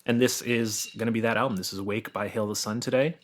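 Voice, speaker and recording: A man's voice: fairly low pitch, fairly even intonation, fast. A young American man talking casually as a guest on a podcast. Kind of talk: casual chat.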